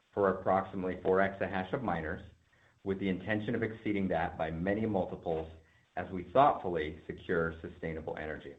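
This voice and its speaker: A man delivering a scripted, formal and deliberate address as a company executive on an earnings call. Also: deep voice. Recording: narrow, tinny phone line.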